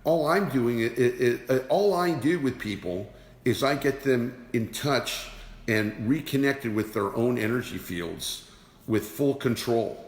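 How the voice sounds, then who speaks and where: A man's voice: medium pitch, measured pace. A man giving a motivational teaching talk as an energy awareness teacher, emphatic and repeating rhetorical questions. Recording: roomy with long reverb.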